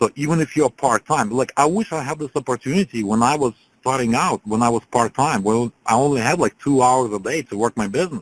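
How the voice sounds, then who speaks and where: A man with a non-native accent at medium pitch, talking very fast with lively intonation, in a very clean, dry, close recording with no echo and a silent background. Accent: has a foreign. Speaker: online business coach. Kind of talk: motivational talk. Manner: energetic, animated.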